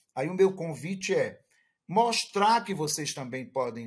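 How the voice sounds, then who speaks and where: A man talks in a Pernambuco backlands accent at a fairly slow pace, his voice somewhat breathy. His tone is animated, with very wide pitch swings. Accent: Sertanejo (Pernambuco backlands). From Brazil, Pernambuco backlands (Sertânia). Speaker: writer teaching a writing course. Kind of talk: online lecture.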